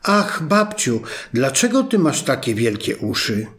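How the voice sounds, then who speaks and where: A man's voice: medium pitch, sing-song, unhurried, a bit bright. Little Red Riding Hood, a man doing a sweet little girl. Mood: innocent.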